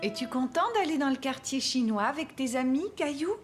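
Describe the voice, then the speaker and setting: A woman voicing a gentle, caring mother who talks reassuringly to a small child in a French children's cartoon. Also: sits high, fairly quick, faint music behind, natural voice.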